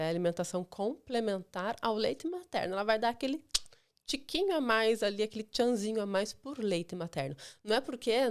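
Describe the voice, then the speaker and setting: A Brazilian woman nutritionist giving guidance as a guest, patient and reassuring, and she often closes her points with "tá". Her voice is smooth and clear and sits in an ordinary middle pitch. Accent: Brazilian Portuguese. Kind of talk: explanatory interview talk.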